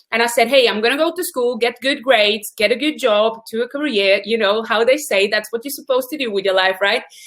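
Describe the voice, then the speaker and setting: At a fairly quick pace, a woman speaks high in pitch with ordinary pitch variation. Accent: Estonian. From Estonia. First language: Estonian. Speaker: network marketing presenter. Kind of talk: sales presentation. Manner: animated.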